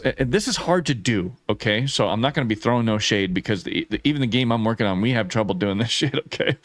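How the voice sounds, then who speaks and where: A man doing casual live-stream commentary on game footage, reacting excitedly with bro-ish slang and swearing, like a frat bro. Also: medium pitch, a little hiss or hum. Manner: animated reactions with frequent laughing and swearing.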